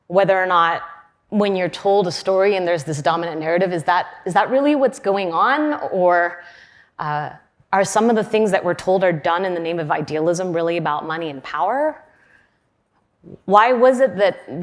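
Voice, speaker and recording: A woman in her forties, raised in Western Canada, giving a conference keynote in a chatty way with fillers and laughs. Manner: chatty, with fillers and laughs, lively pitch swings. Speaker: conference speaker. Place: large conference hall.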